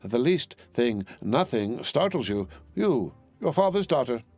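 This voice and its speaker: A man's voice: mid-range voice, very animated, measured pace, darkish tone, no room sound, faint music behind, pitched above the performer's own voice. A man doing a soothing older doctor. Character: gentle older father, a doctor.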